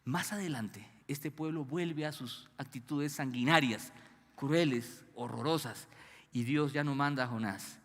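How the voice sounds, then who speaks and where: A man's voice: medium pitch, a little slow, in a large hall. A man preaching a sermon as pastor, asking the congregation to call out the missing words. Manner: asks the congregation to fill in words. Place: church hall.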